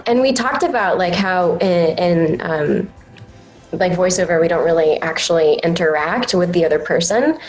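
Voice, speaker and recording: A young woman with a slightly low voice, chatting enthusiastically and rambling a little in an interview. Faint music plays underneath. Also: lively intonation, moderate pace. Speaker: anime voice actress, guest. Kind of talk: casual interview chat.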